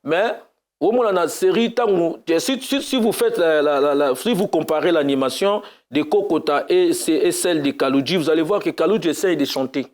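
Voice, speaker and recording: A man from Kinshasa, a music animateur talking casually in an interview, mixing Lingala and French in a lively way. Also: on the high side, moderate pace. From Congo (Kinshasa). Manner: mixes Lingala and French, lively, bursts into chanted cries.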